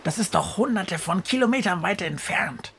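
A man voicing a cheeky, questioning male crow in a storybook reading, with a high, gravelly voice. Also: lively intonation, a bit bright, a little hiss or hum, exaggerated voice. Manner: pert, questioning, quick to panic. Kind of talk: storybook voice acting.

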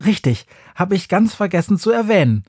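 Bossy storybook witch played by a man, high and shrill, husky, scolding. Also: very animated, a little fast, darkish tone, no echo, clean studio sound, full character voice. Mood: rousing. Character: bossy little female witch, scolding older sister.

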